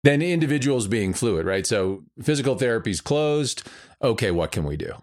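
A man hosting a podcast, asking questions in a calm, measured way. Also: mid-range voice. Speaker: podcast host. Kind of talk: interviewing.

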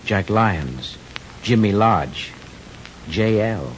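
A disbelieving gentleman in an old radio mystery. His voice is mid-pitched and animated, and he sounds indignant. A faint hiss runs under it. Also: drawn-out words, rough recording. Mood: incredulous. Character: incredulous male friend, near-victim. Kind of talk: 1940s radio acting.

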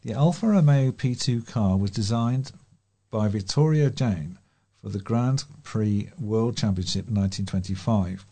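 Mellow, low-pitched British man reading news. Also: unhurried. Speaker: volunteer newsreader for a talking newspaper. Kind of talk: scripted local news reading.

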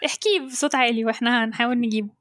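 A woman with an Egyptian Arabic accent co-hosts a podcast, asking gentle questions at a brisk pace. Her voice is slightly high. Her sound is dry and close. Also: no echo. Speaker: podcast co-host. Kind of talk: casual podcast conversation.

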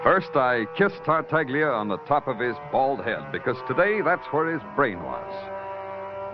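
An actor playing a hard-boiled detective who narrates in a terse, clipped, world-weary way, in 1950s radio drama acting. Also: male voice, mid-range voice, lightly acted. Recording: dull old radio recording with music.

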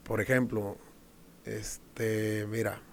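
A man's voice: lowish voice, level tone, extremely slow. A young man telling a story in casual chat, slangy, laughing often and swearing freely.

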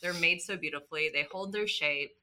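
A woman's voice: fairly low pitch, a little fast, sharp tone. A woman in her thirties, a boutique owner chatting as a podcast guest, talking enthusiastically and gushing about what she loves. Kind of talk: casual chat.

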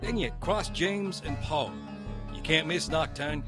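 A man's voice: a little high, measured pace, over loud music, natural voice. A man playing a local who casually gives street directions in an audio drama. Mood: helpful. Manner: casual and helpful.

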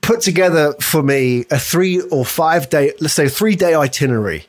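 A man's voice: fairly high pitch, animated, moderate pace. A man hosting a casual interview, chatty and rambling as he puts questions to his guest. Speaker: podcast host interviewing a guest.

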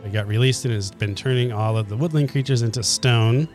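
A man at a mid pitch runs the table as dungeon master and host. He opens in a theatrical, storytelling way, then chats with his players. Faint music sits behind him. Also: fairly quick, darkish tone. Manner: theatrical storybook narration in the opening. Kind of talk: tabletop game podcast chat.

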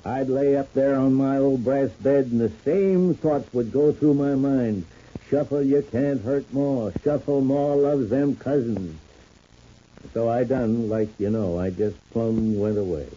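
A man's voice: medium pitch, a little slow, mellow, a little hiss or hum, lightly acted. An actor playing a folksy, protective country man with homespun phrasing in a vintage radio soap. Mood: rueful. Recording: muffled old radio recording.

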